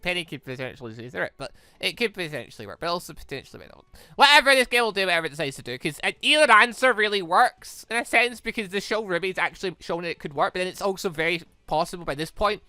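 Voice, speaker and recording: Over game music, a let's play host chats casually and reads visual novel lines aloud, thinking out loud and often repeating or rewording himself. The voice sits at a medium pitch, with no echo.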